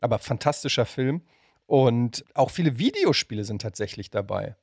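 A man's voice: mid-range voice, big pitch swings, normal speed, vocal fry, a little mellow, breathy edge, no echo, clean studio sound. A man, hosting a casual interview as a podcast host.

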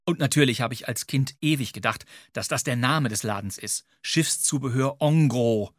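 A man's voice: mid-range voice, moderate pace, no echo, clean studio sound. A man narrating a podcast segment from a script, wry and playful, addressing the listener directly. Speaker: podcast co-host.

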